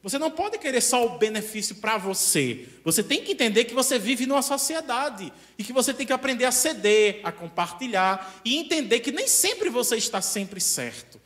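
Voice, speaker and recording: A man with a Brazilian accent giving a spiritist lecture in an animated, conversational way, with frequent questions to the audience. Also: extremely high pitch, normal speed, hardly any pauses.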